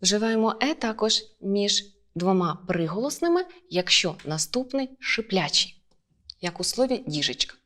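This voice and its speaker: A woman teacher talks through a lesson in a clear, measured way. She lays weight on each example word and keeps a steady, even delivery. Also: mid-range voice.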